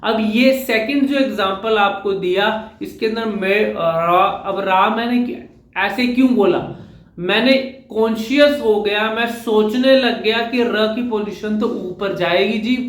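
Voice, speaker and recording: A man's voice: sits high, reverberant. A man from India, speaking, coaching public speaking in a direct-to-camera lesson, explaining patiently, repeating his points and dropping in English phrases.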